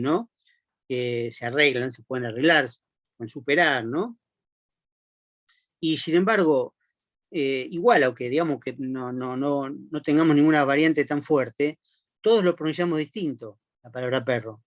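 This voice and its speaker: A man's voice: medium pitch, no room sound, highs cut off. A man teaching a university class, explaining step by step with frequent tag questions and restarts. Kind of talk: lecture.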